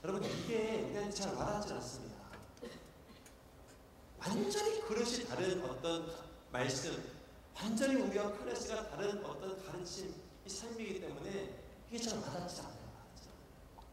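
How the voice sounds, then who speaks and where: A man preaching a sermon as pastor, earnest, shifting from hushed pleading prayers to loud exhortation. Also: sits high, very animated, moderate pace, background noise. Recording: echoey church hall, voice from far off.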